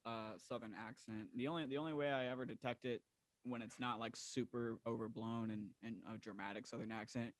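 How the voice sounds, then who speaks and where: A man's voice: mid-range voice, fairly even intonation, fairly quick, no room sound. A young man co-hosting a casual podcast with laid-back, teasing banter. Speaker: podcast co-host.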